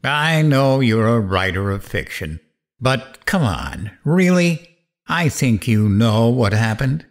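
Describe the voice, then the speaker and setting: An actor playing a cocky, vengeful late-night radio host, sardonic and goading, in dramatic narration and interview. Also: male voice, medium pitch, lively intonation, slow pace. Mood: grim, accusing.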